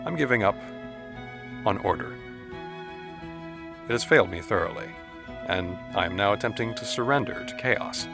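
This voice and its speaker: An actor playing a dead man's trapped, anguished spirit who reads a letter in measured, formal diction in an audio drama. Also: lowish voice, lively intonation, gravelly. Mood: solemn, resigned. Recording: music under the voice.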